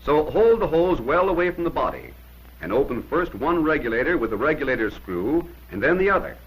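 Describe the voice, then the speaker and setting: Heard on a low-quality old film soundtrack, a man narrates 1950s instructional-film style with brisk, sing-song delivery. His husky voice ranges widely in pitch as he gives short, plain-spoken directions with firm emphasis.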